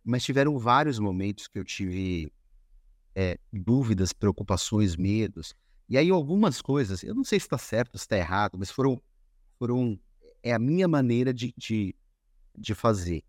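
A man as a podcast guest, telling stories in a relaxed, conversational way with frequent restarts and fillers. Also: fairly low pitch, moderate pace, no echo, clean studio sound. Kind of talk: casual conversation.

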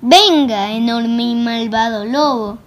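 A man's voice: very high voice, slow, fairly bright tone, voice pushed down, heavily acted. A man voicing a clever little white male rabbit who speaks in a coaxing, bossy way.

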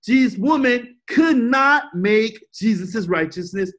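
A man's voice: high-pitched, animated, slow, fairly bright tone. A pastor preaching a sermon in an emphatic manner, repeating his points and asking the congregation questions. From United States.

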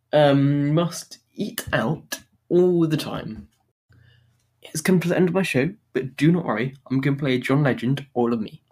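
British male music radio host, informal and upbeat, slightly husky mid-pitched voice, speaks directly to listeners. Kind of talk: upbeat music radio presenting between songs.

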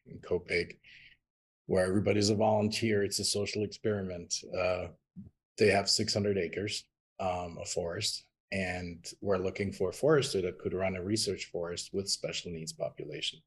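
A middle-aged Austrian man, appearing as a podcast guest, tells his story in an earnest, rambling interview conversation peppered with ums. His voice sits low and sounds slightly rough.

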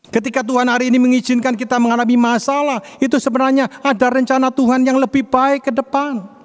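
A male preacher delivers a sermon with a high voice, his delivery swinging from hushed to loud and urgent. His words ring out through a reverberant church hall. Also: level tone, fast. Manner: dramatic, swings between soft and loud.

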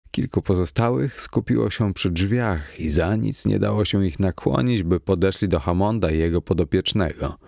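A man narrating a first-person horror story in a tense, expressive reading, recorded close in a quiet studio. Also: low voice, gravelly, no echo. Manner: tense, expressive, rising to cries in the quoted lines. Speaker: audiobook narrator.

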